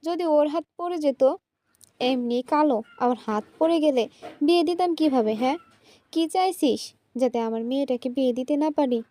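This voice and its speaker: A woman's voice: high voice, moderate pace, dark tone, lightly acted. A woman voicing a cruel middle-aged aunt who scolds and sneers harshly. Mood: spiteful.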